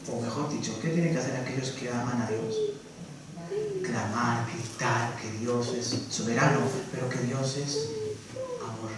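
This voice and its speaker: A man preaching a Sunday sermon in a lively way, dropping to soft asides and rising to loud calls, acting out quotes. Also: medium pitch, moderate pace, background noise. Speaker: pastor. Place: church hall. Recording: echoey church room from far off.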